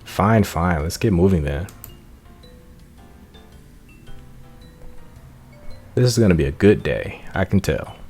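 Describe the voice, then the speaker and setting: A man's voice: sits low, expressive, normal speed, darkish tone, husky, soft background music. A man voicing a cheerful, defensive schoolgirl who reads emotions, in a hammy read-aloud of a visual novel.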